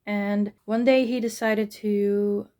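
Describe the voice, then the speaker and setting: Slow-talking woman vlogging books. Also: mid-range voice, fairly even intonation, warm tone. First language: Dutch. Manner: hesitant, many fillers and restarts. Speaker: book vlogger. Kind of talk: casual vlog chat.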